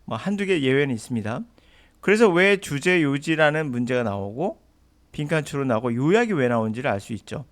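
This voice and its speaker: A man's voice: mid-range voice, very animated, a little fast. A man teaching an English lesson in an emphatic, argumentative lecture style.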